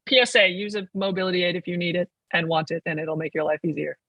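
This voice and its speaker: A man's voice: high-pitched, fairly even intonation, fast talker, no echo, highs cut off. A 21-year-old trans man and podcast guest, chatting casually and rambling with lots of "like.". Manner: rambling, heavy use of "like". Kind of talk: casual conversation.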